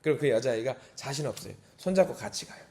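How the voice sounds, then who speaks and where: Earnest pastor with a lively voice. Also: male voice, medium pitch, fast, a little hiss or hum. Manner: earnest, rising to emphatic pleading, acts out quoted prayers. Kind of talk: dawn service sermon.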